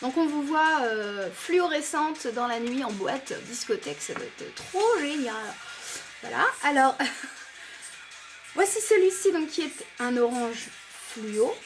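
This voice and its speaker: A high, bright-sounding woman with a French accent talks in an eager, chatty way, often pausing on fillers. She reviews beauty products for her viewers. Music plays clearly behind her voice. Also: animated. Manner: enthusiastic, chatty, many fillers. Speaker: beauty vlogger.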